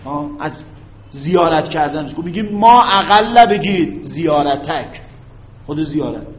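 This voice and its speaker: A man with a fairly high voice teaches a grammar class. He draws out each example phrase and keeps pausing to ask whether his students follow. The recording is dull and muffled, and the classroom echoes around him. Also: animated. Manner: drawn-out recited Arabic examples, frequent check-ins with students.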